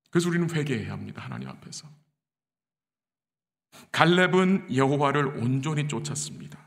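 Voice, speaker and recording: A man with a fairly high pitch and ordinary pitch variation sounds somewhat breathy. He speaks at a fairly quick pace broken by long, frequent pauses. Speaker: pastor. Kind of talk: sermon preaching, mixing Korean with English terms. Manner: earnest, explanatory, addressing congregation.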